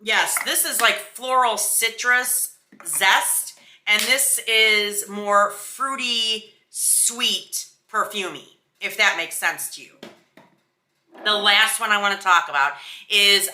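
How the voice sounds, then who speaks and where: A woman's voice: medium pitch, pushed and bright. A woman giving a casual, chatty beauty product review in a sassy, emphatic, slangy way. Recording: roomy indoor echo.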